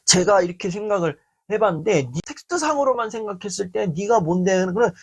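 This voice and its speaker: A man giving a self-esteem lecture and answering a viewer's letter. He speaks in an animated way and acts out quoted speech. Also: high voice, fast talker, slightly rough. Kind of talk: talk-show style self-esteem lecture.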